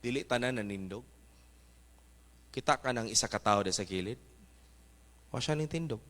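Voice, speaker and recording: A man's voice: medium pitch, lively intonation, normal speed, fairly bright tone, lightly acted. A man voicing a grieving male concert violinist, speaking earnestly. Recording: echoey church hall.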